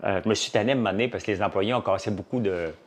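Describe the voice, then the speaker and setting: A man with a Québécois French accent chats casually to a live audience in a lowish voice. He rambles and jumps between topics, leaning on fillers. He sounds like a farmer and business owner talking off the cuff. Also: racing.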